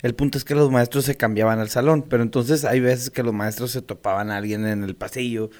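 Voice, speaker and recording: Young Mexican guy, casual storyteller, slangy and animated. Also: mid-range voice, brisk. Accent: Mexican Spanish. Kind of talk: casual chat, telling a school story.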